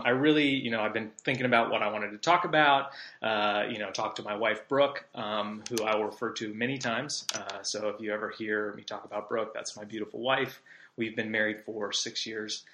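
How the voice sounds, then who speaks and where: A man's voice: mid-range voice, pushed and bright, roomy sound. A man of about thirty from Southern California, hosting a podcast in a chatty, rambling monologue with many fillers. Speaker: podcast host. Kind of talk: casual monologue.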